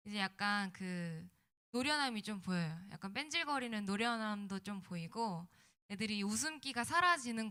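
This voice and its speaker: A woman's voice: medium pitch, sharp tone. A woman youth pastor preaching conversationally to middle schoolers, her diction slightly slurred by swelling after having wisdom teeth out. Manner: conversational, checking in with young listeners. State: mouth swollen after wisdom tooth removal. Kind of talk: sermon.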